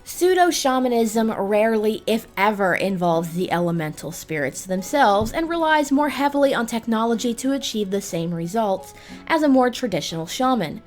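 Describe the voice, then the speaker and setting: A woman's voice: on the high side, big pitch swings, moderate pace, soft background music. A woman host narrating a scripted explainer in the style of a video game guide.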